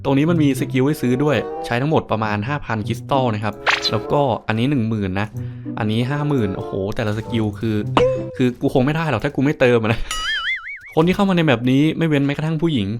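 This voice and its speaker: A man giving playful, animated game commentary, talking to his viewers with coarse slang. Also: mid-range voice, quick pace. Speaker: gaming YouTuber. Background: background music.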